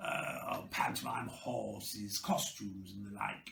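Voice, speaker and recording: Putting on a character voice, a man sounds raspy. His delivery moves fairly slowly. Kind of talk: comedy drama dialogue. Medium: stage.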